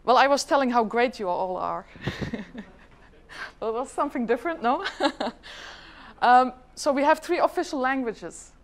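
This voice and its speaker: Her voice is high and expressive at normal speed. She is a government department head from Flanders, Belgium, a middle-aged Dutch-native woman delivering a chatty conference talk and quizzing the audience.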